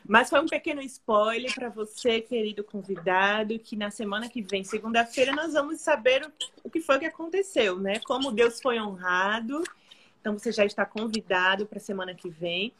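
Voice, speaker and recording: A woman's voice: a little high, moderate pace, a bit bright, slight background noise. A woman hosting a live church program, inviting guests and wrapping up. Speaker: host.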